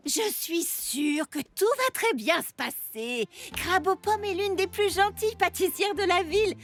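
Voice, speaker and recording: A woman voicing a cheerful, optimistic young girl baker in an animated cartoon dub, perky, earnest and reassuring. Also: very high voice, measured pace, full character voice. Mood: reassuring, upbeat. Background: background music.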